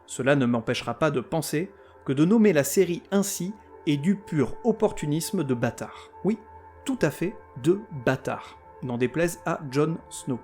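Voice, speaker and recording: Male podcast host, slightly high voice, sarcastic and foul-mouthed, comic reviewer. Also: expressive, normal speed, darkish tone, soft background music. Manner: sarcastic, crude ranting with mock outrage. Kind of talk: scripted comic series review.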